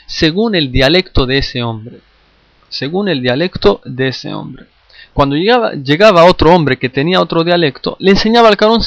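A man's voice: medium pitch, a bit bright, no echo, highs cut off. Man lecturing with many restarts. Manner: repeats phrases, frequent hesitations and restarts; addresses listeners directly. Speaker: Islamic studies teacher. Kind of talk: classroom lecture.

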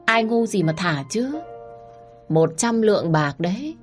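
A woman voicing a brutish male gang leader who talks in a rough, sneering way. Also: medium pitch, expressive, measured pace, soft background music, voice pushed up, lightly acted.

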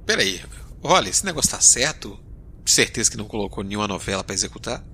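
Brief: a man as a sarcastic, exasperated starship captain, low-pitched, bright and forceful tone, faint rumble under him. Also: big pitch swings, fast talker, full character voice. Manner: grumbling, sarcastic, sighing. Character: weary male space explorer captain, easily exasperated.

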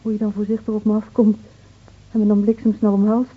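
An actress playing a bitter, grieving village wife in an intense, emotional radio drama. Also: female voice, medium pitch, completely flat delivery, brisk, slightly rough, natural voice. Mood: anguished, despairing. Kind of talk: Dutch radio drama acting. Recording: muffled, phone-like old radio recording.

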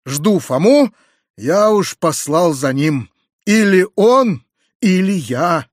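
A man voicing an excitable, kind-hearted middle-aged landowner who talks in agitated exclamations. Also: high voice, takes it slowly, no echo, clean studio sound, voice pushed up, exaggerated voice. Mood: resolute. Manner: agitated, exclamatory, rising to shouts. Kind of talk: audiobook character reading.

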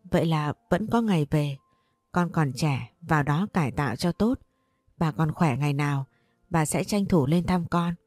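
A woman's voice: sits low, lively intonation, moderate pace, darkish tone, no echo, soft background music. A woman voicing a grieving grandmother near sixty, pleading and tearful.

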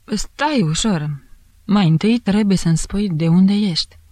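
A woman voicing a cautious middle-aged jeweler who speaks in a measured, earnest way. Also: medium pitch, dark tone, dry recording, voice pushed up, natural voice.

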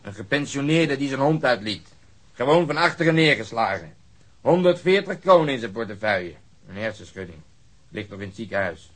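An actor playing a gruff, sarcastic police detective in a radio drama, speaking in an exasperated, grumbling way. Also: male voice, medium pitch, sing-song, moderate pace. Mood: irritated, grumbling. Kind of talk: Dutch radio drama acting.

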